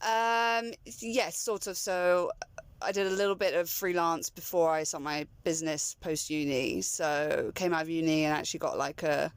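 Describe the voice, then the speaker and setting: A woman's voice: low voice, fairly even intonation, normal speed, clean tone, dry recording. A young woman, a fashion label founder, talking as a guest in a casual chat with many ums and likes. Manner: chatty, laughs often, many ums and likes. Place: inside a car. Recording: road noise inside a car.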